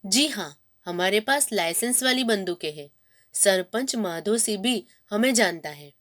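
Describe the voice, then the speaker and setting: A woman's voice: medium pitch, lively intonation, a little slow, a bit bright. A woman teacher voicing polite male hunters who answer a colonel respectfully. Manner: deferential and respectful.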